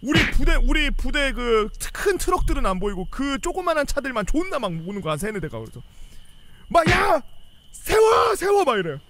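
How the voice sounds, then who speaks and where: A young man casually telling a rowdy army story, swearing a lot and shouting out the officers' lines. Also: extremely high pitch, fast, few pauses, background noise. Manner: animated, swearing, acts out yelling officers.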